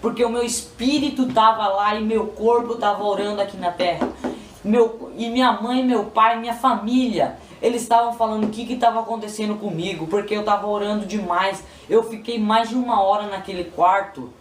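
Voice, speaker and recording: A man's voice: high voice, normal speed. A man with a Brazilian Portuguese accent telling a spiritual testimony in a repetitive, pleading, emotional way. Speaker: person giving a religious testimony. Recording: roomy, distant mic, faint noise.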